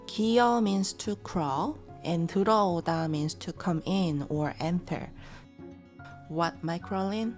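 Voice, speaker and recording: A woman whose first language is Korean explains phrases calmly and methodically, one word at a time, as a language teacher. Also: fairly low pitch, moderate pace, faint music behind.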